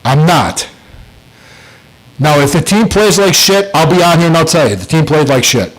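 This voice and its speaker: Podcast co-host, middle-aged guy, husky, high-ish voice, fired-up and swearing. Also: expressive, moderate pace, low-quality recording. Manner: heated, profane storytelling. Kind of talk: casual sports chat.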